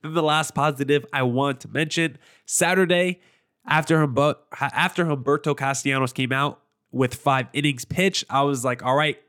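A young man hosts a casual sports podcast, chatty, opinionated, and rambling, his voice nasal and congested from allergies. It's mid-range, somewhat bright, and clean in tone, delivered at a normal speed.

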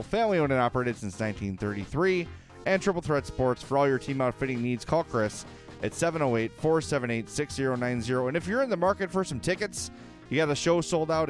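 An American man hosting a sports podcast in a conversational style. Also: mid-range voice.

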